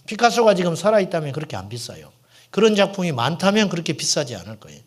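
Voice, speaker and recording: A middle-aged senior pastor preaches to his congregation, posing questions and answering them himself, sometimes sinking to a hushed whisper for emphasis. His voice is slightly high and a little rough.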